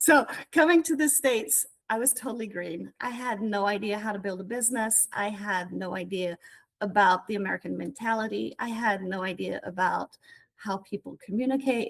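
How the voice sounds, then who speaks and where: A woman speaks at medium pitch and a moderate pace. She sounds somewhat breathy, with ordinary pitch variation. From Switzerland. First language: not English. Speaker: real estate agent and author. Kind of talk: interview podcast.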